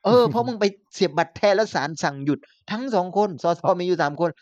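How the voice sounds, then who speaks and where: A man hosting a podcast, chatting casually about politics in an animated way, often laughing and using blunt slang. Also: high voice, fast talker, no echo, highs cut off. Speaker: podcast host.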